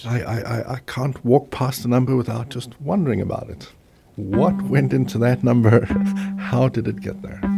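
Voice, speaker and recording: Music plays in the background as a man talks at a moderate pace. His medium-pitched voice has lively intonation. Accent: South African. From Cape Town, South Africa. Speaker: business school associate professor.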